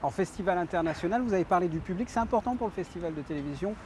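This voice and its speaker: A man's voice: high voice, animated, rapid-fire, darkish tone, slight background noise. A man with a French accent anchoring a local news broadcast, interviewing a guest with a chatty, hesitant manner full of fillers.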